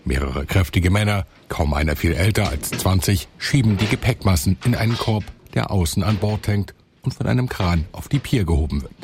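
A man reading scripted voice-over narration for a documentary report in a calm, measured way. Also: sits low, a little hiss or hum.

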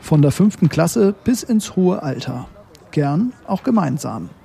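A man reading a news report as scripted narration, in a measured way. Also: on the high side, sing-song, creaky, dark tone, husky.

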